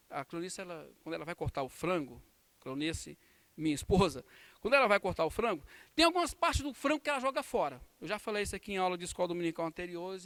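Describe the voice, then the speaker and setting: A Brazilian pastor teaching a Sunday school class, his voice set unusually high for a man. He tells a personal story and acts out what each person said, and the sound is close and dry. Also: dry recording. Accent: Brazilian Portuguese. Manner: storytelling with acted-out quotes and warm laughs. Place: church.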